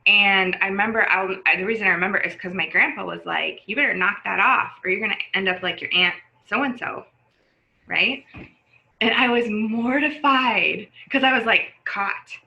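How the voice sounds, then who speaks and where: A woman's voice: medium pitch, moderate pace, gravelly, pushed and bright, dull audio. A woman in her forties talking as a podcast guest, chatty and rambling, with lots of fillers and restarts. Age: 40s. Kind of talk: casual conversation.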